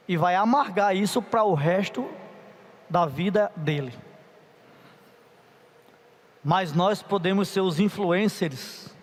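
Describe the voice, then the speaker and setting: A middle-aged preacher with a high voice, talking in a chatty, playful way and turning to the crowd for help. His voice carries a long echo through a large conference hall. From Paraíba, Brazil. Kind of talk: youth conference sermon. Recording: reverberant hall.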